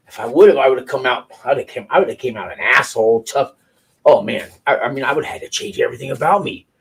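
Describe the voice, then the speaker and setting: Talking at a very fast pace, a man with an American accent shows big swings in loudness. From San Francisco, US West Coast. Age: 60s. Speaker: prison channel host, former inmate. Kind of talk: live stream casual chat. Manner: halting, many fillers and restarts.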